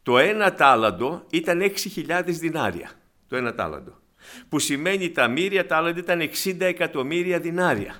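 A man preaching a sermon to his congregation, animated and acting out the voices in his stories. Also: a little high. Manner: animated, acts out quoted voices; addresses congregation as brothers.

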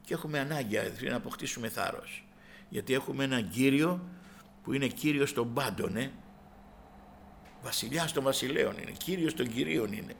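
Male preacher, gravelly voice, fervent sermon delivery. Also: medium pitch, a little hiss or hum. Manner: preaching, addresses listeners as brothers and sisters; rises loudly when quoting Christ.

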